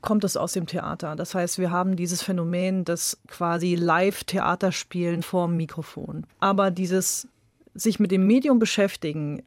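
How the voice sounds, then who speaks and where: A woman's voice: fairly low pitch, a little mellow, no room sound, clean studio sound. A woman speaking as an expert guest, explaining thoughtfully and with emphasis. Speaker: interview guest, radio drama expert. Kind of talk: thoughtful conversation. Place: dry studio.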